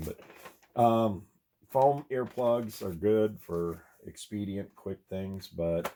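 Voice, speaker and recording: A man's tone is dark and mellow, with an American accent. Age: 60s. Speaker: hobby shooter and vlogger. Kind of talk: casual product show-and-tell. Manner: halting, many fillers.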